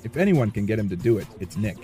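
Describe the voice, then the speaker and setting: A man's voice: lowish voice, very animated, quick pace, music in the background. A man playing a wry, self-deprecating office coworker in an audio drama.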